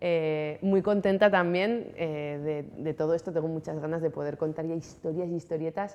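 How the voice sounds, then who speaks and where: With hardly any pauses, a woman speaks at a moderate pace in a fairly low voice with fairly even intonation. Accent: Navarrese. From Navarre, Spain (village). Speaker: novelist. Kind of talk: author talk. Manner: talkative.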